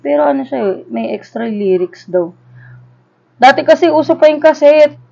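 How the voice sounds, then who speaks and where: A woman's voice: high voice, animated, moderate pace, vocal fry, darkish tone. A Filipino woman in her thirties chatting casually and nostalgically in Taglish as she vlogs an unboxing. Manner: nostalgic, informal, conversational. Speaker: vlogger unboxing a collectible. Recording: dull lo-fi sound.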